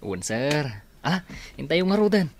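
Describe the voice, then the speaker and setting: An actor playing a friendly village eatery owner who speaks humbly and politely. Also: male voice, fairly high pitch, big pitch swings, moderate pace, slight background noise. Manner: deferential, says sir often. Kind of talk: Ilocano radio drama acting.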